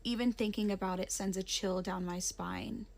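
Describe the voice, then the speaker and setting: A woman with a Southern American lilt reads a submitted ghost story aloud. Her voice sits at an ordinary middle pitch, and she drops to a hush for the eerie parts. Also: fairly even intonation, moderate pace, gravelly. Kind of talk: reading a listener's story aloud.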